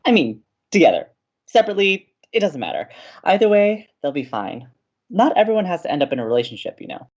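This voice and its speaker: Young college radio co-host, gushing and encouraging, very animated delivery, slightly muffled audio drama recording. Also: female voice, fairly low pitch, fast talker. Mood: reassuring. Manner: gushing, excitable.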